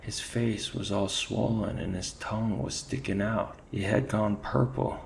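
A man voicing a cowardly male rat soldier who stammers in a high, whining voice. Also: a little slow, gravelly, slight background noise. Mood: scared.

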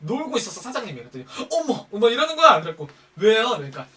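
A young man tells a comic story with campy exclamations and plenty of swearing. His voice is bright and lively, with big swings in pitch. It is picked up from slightly off the mic over faint noise. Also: very fast, recorded from a distance. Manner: profane, campy, animated.

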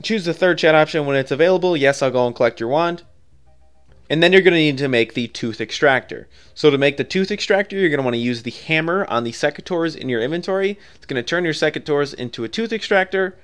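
A man's voice: on the high side, expressive, fast, fairly bright tone, smooth. A man narrating a step-by-step video game guide in an informal, offhand, conversational way.

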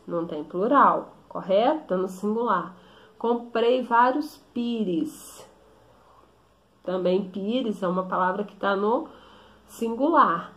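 A woman teacher explaining a grammar lesson slowly, often stopping to check with her students. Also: medium pitch, a bit bright. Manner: slow, explanatory, with frequent check-in questions. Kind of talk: recorded classroom lesson. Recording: echoey room.

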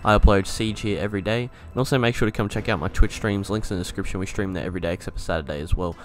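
A man's voice: low-pitched, racing, a little hiss or hum. A young man giving casual gameplay commentary as a video creator, laid-back, thinking aloud and swearing now and then. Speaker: gaming YouTuber.

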